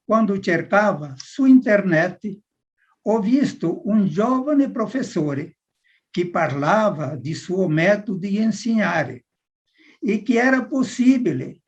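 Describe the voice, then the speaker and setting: A man in his eighties, a language student, giving a short recorded testimonial in a careful, measured way. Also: high voice. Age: 80s. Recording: dull lo-fi recorded clip.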